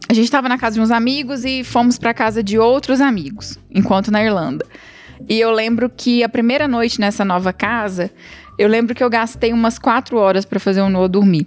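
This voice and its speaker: A woman with a Minas Gerais accent speaks at a fairly quick pace in a fairly high pitch, with ordinary pitch variation. Her loudness stays very even, and music plays in the background. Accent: mineiro Brazilian Portuguese. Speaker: missionary podcast host. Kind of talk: casual chat. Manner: halting.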